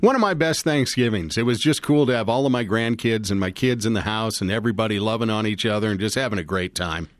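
A man's voice: fairly low pitch, fast, hardly any pauses, no echo. Friendly middle-aged male co-host, dry sound. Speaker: radio co-host. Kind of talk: morning radio talk. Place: radio studio.

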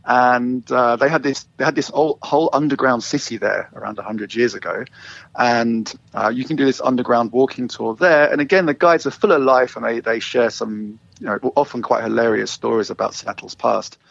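A man's voice: medium pitch, normal speed, creaky, fairly bright tone, no room sound. A middle-aged man with a London accent, chatting as an interview guest about how he started a walking tour business. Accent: London English. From England. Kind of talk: casual interview storytelling. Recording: slightly dull lo-fi sound.

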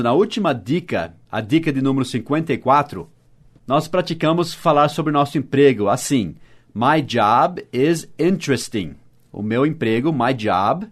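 A Portuguese-speaking man hosting a short podcast lesson, explaining slowly and spelling words out letter by letter. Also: medium pitch. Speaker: English teacher.

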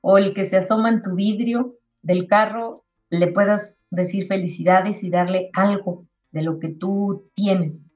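A woman's voice: mid-range voice, steady tone, measured pace, dull audio, soft background music. A woman, a Christian singer on the radio, telling a personal faith story and urging listeners with religious fervor. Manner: warm storytelling with religious exhortation. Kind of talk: spiritual testimony on radio. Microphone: radio studio microphone.

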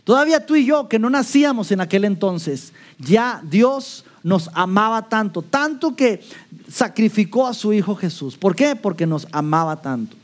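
Brief: Mexican Spanish pastor with a high, light male voice, preaching and asking rhetorical questions. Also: lively intonation, moderate pace. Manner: rhetorical questions, playful role-play asides. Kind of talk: sermon.

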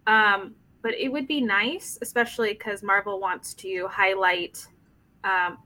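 A woman's voice: mid-range voice, steady tone, measured pace, bright, forceful tone, poor audio. A woman co-hosting a casual comics podcast, tired and emotionally drained, candid and frank, often trailing off. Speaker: podcast co-host. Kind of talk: casual live-streamed comics podcast chat.

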